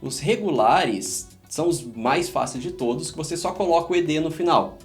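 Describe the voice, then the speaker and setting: A man's voice: fairly high pitch, lively intonation, moderate pace, soft background music. A man with a Brazilian Portuguese accent, an English teacher explaining grammar in a casual, joking way and talking straight to his viewers. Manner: chatty, joking, addresses viewers as "gente".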